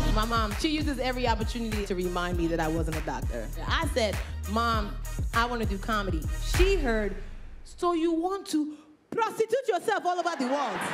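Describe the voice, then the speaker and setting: Music in the background behind a woman speaking at a fairly quick pace. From Nigerian-American. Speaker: comedian. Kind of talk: stand-up comedy set.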